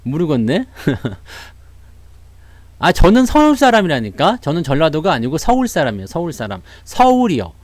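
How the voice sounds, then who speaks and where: A man's voice: on the high side, huge pitch swings, normal speed, dry recording. A man who speaks with a Jeolla dialect, hosting a casual stock market livestream, greeting viewers and laughing often. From Seoul, South Korea.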